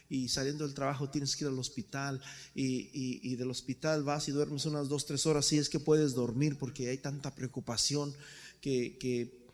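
A man preaching a sermon with impassioned storytelling, speaking directly to the congregation. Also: on the high side. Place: church. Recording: echoey church hall.

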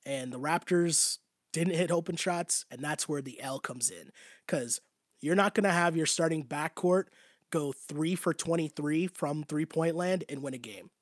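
A man's voice: fairly high pitch, a little slow, dry recording, clean studio sound. A man losing his voice, hosting a casual basketball talk show and answering his live chat in a chatty way, often tagging his points with "right?". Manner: conversational, repetitive, often asks "right?".

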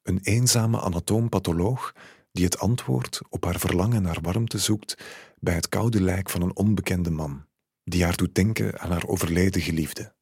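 A man calmly narrating a literary short story in the first person. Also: low-pitched, moderate pace, slightly rough, no room sound, clean studio sound.

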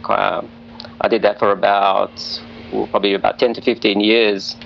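A man's voice: lowish voice, flat delivery, moderate pace, vocal fry, dull audio, slight background noise. A man, an airline pilot guest, answering interview questions earnestly and with many fillers from a hotel room. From Australia. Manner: earnest, hesitant with frequent fillers.

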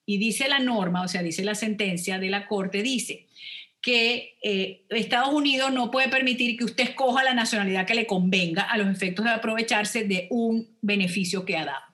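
On a radio call-in advice program, a woman immigration lawyer explains the rules, often pausing to check with "ok?". Her voice is mid-range and sharp in tone, at a normal speed.

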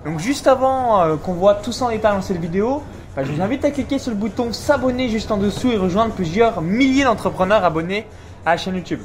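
A man hosting a casual business interview at a seminar, explaining and coaching listeners in a brisk way. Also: high voice, expressive. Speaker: YouTube interviewer and host. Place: seminar venue.

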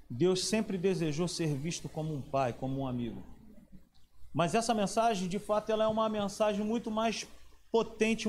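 A man's voice: high voice, darkish tone, slight background noise. A man preaching a sermon in a conversational way, often asking the audience questions.

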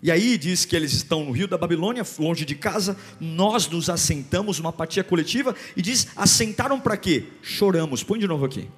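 A man preaching a sermon, swinging between loud bursts and hushed, repeated phrases. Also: sits high, animated, brisk, hardly any pauses, big-room sound, soft background music. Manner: rhythmic repetition, calls for congregation to repeat. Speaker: pastor.

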